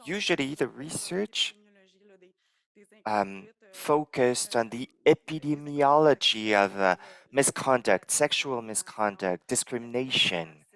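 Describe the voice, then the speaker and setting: A man interpreting a conference talk live into English, measured and halting, pausing as he translates. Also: medium pitch, fairly bright tone, low-quality recording. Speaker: simultaneous interpreter.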